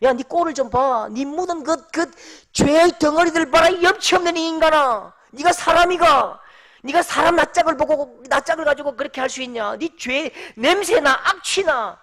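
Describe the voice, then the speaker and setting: A man's voice: very high voice, moderate pace, fairly bright tone, pitched above the performer's own voice. A man voicing a scornful male Satan who taunts and jeers. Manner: taunting, jeering insults.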